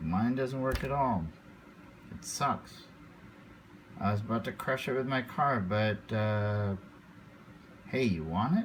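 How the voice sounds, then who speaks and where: With long, frequent pauses, a man talks very slowly in a medium pitch that varies in an ordinary way. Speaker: vaping product reviewer. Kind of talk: casual monologue to camera. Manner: halting with many ums and uhs.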